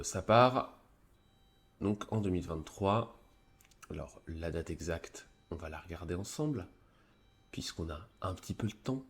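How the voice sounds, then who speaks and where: A man who has a cold, hosting a live stream, explaining a psychology article in a casual, halting way with many fillers and restarts. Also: sits low. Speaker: streamer presenting a psychology review.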